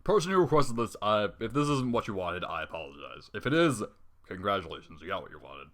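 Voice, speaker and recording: A man's voice: fairly low pitch, big pitch swings, fast talker, fairly bright tone. A young man reading a story aloud and breaking off into exasperated, sarcastic, profanity-laced commentary. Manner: exasperated, sarcastic, swears a lot. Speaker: fanfiction reader. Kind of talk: comedic dramatic reading with commentary.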